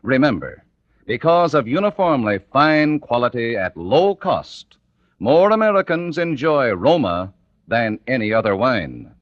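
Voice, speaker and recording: A man reading a 1950s radio commercial as the announcer, in a smooth, persuasive way. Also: medium pitch, very animated, unhurried, no echo. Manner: smooth, persuasive, sing-song. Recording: dry, dull old radio recording.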